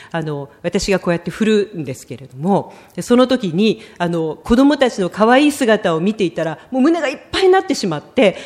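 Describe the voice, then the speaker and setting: A middle-aged woman with a slightly high voice preaches a sermon in an expressive, storytelling style, frequently acting out the lines she quotes.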